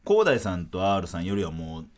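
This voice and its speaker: Lively laughing Kansai comedian. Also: male voice, sits low, brisk. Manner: animated storytelling, bursts of laughter. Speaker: podcast host. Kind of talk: casual comedian banter.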